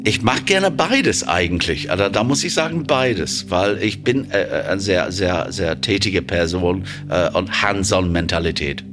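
A man's voice: deep voice, lively intonation, a little slow, few pauses, music in the background. A man from England with an English accent, a plant manager answering interview questions hesitantly, with many fillers.

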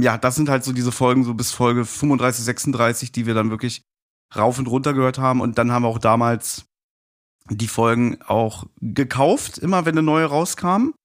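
A man of forty telling personal stories casually as a guest on a podcast. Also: mid-range voice. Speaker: podcast guest, fan of audio plays.

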